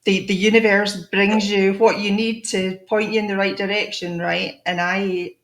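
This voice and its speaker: A middle-aged Scottish woman, a guest in an interview, talking reflectively with many pauses and restarts. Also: medium pitch, flat delivery, echoey room. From Scotland. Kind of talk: conversational interview.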